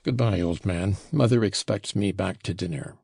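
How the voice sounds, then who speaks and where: A man voicing a proud, impulsive schoolboy in an audiobook, with an abrupt, hurried and brusque manner. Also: sits low, vocal fry, darkish tone, husky, no echo, clean studio sound, full character voice. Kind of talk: audiobook character voice.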